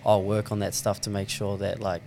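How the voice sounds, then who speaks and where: A man's voice: fairly low pitch, monotone, a little fast, a little mellow. Slangy New man, faint noise behind. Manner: slangy, laid-back, says bro and eh. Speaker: podcast guest, competitive surfer. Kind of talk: casual chat.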